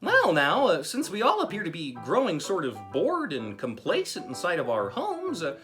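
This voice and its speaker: Cheerful puppet emcee, hesitant gee-whiz manner, wildly varied pitch, encouraging, puppet comedy. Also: male voice, wildly swooping pitch, moderate pace, bright, forceful tone, faint music behind, full character voice. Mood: cheerful encouragement. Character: friendly, folksy, hesitant puppet host rallying his friends. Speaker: host.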